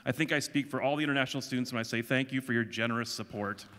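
A man's voice: medium pitch, very fast. A middle-aged man making announcements from a stage as host of an event. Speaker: international student advisor, event host. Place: large auditorium stage. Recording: echoey hall with audience noise.

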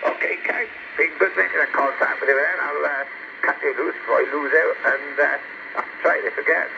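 A man's voice: a little high, fairly even intonation, a little fast, creaky. A man chatting casually as a CB radio operator, heard through a radio transmission. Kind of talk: casual radio contact chat. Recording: dull CB radio with heavy static.

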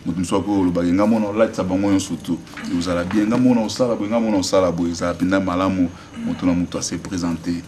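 Deep-voiced man giving an earnest interview. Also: steady tone, very fast, hardly any pauses. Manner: earnest, appealing for support. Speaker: gospel singer interviewed. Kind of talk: casual interview answers. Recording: distant mic with loud noise.

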